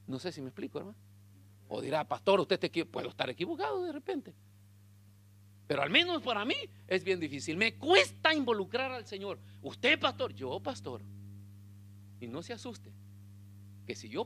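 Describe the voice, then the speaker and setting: A man preaching a sermon as pastor, telling a story in an animated way and calling his listeners brother. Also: high-pitched, normal speed, pauses often, a little hiss or hum.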